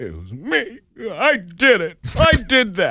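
A man does a put-on character voice, pitched high and delivered at a fairly slow pace.

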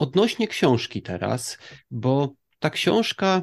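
The delivery comes at a very slow pace with lively intonation. The background is quiet. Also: man. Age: 50s. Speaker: podcast host. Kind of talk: casual interview.

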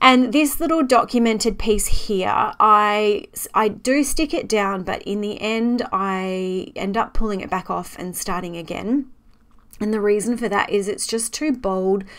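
A woman with an Australian accent at a fairly high pitch, ordinary pitch variation and a fairly slow pace, in a very clean recording with a silent background. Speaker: scrapbooking youtuber. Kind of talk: voiceover tutorial. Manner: casual, conversational.

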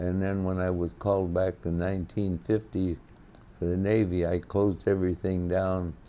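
At a moderate pace, a man speaks with a very deep, low pitch, a dark, mellow tone and fairly even intonation. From Montana. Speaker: war veteran. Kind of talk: oral history interview. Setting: Corona, California. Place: home room. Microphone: lapel.

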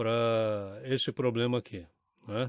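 With fairly even intonation, a man is heard in a dry sound with no echo over a quiet background. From Brazil, Rio de Janeiro city. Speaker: electronics repair YouTuber. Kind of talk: tutorial. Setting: home workshop. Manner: halting, many fillers. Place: workshop. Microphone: phone near.

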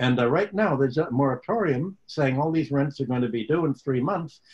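A man with an American accent speaks in a somewhat breathy voice. His pitch is fairly high for a man, with ordinary variation. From US Midwest (Minneapolis, Chicago). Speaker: economist. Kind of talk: interview.

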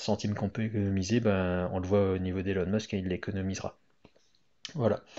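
Against a quiet background, a man speaks with a fairly low pitch, a dark, mellow tone and monotone, flat intonation. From Hong Kong. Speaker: car-news YouTuber. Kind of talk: casual video commentary. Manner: hesitant, many fillers.

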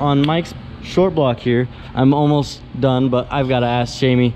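A man speaks with fairly even intonation and very even loudness. Light background noise sits behind him. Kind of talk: casual vlog chat. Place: garage. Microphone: phone near.

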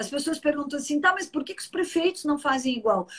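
Over a quiet background, a woman speaks in a high pitch with lively intonation. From Rio Grande do Sul, Brazil. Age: 40s. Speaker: mayor and nurse; mayor. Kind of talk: live-stream interview. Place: home room. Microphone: too close to the mic at first; earbuds.

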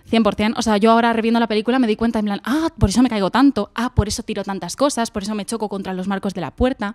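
Over a quiet background, a woman speaks in an animated tone at a very fast pace with hardly any pauses and ordinary pitch variation. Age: 20s. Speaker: streamer and multidisciplinary artist; streamer. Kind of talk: casual chat. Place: studio. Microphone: studio mic.

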